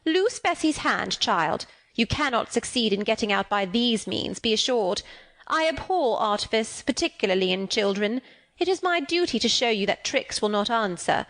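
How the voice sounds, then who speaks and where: A woman's voice: fairly high pitch, lively intonation, moderate pace, a bit bright. A woman reading an audiobook, voicing a cold, stern aunt who gives clipped, peremptory commands.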